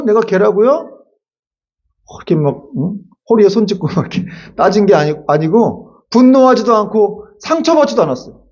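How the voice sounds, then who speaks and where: A male pastor giving a lively Sunday sermon, acting out quotes and adding casual asides to the congregation. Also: sits high, lo-fi sound. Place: church sanctuary.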